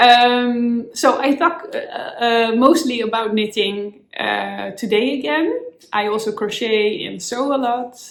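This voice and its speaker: Amid audible room echo, a woman with a Dutch accent speaks very slowly with ordinary pitch variation. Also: fairly high pitch for a woman. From Netherlands. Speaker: knitting podcaster. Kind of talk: casual vlog chat. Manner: halting, many fillers.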